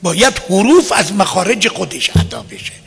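A man's voice: sits high, very animated, vocal fry. A man giving an explanatory lesson on Quran recitation rules as a religious teacher, chanting verses between his explanations. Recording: long hall reverb.

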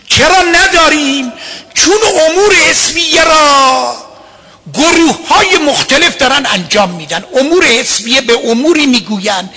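A man giving a religious lecture as a cleric, emphatic and at times rising to a shout. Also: very high-pitched.

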